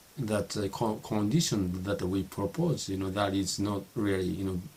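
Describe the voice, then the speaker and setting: At a fairly slow pace, a man with a Japanese accent speaks in a fairly low, somewhat breathy voice with ordinary pitch variation. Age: middle-aged. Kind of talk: casual talk to camera.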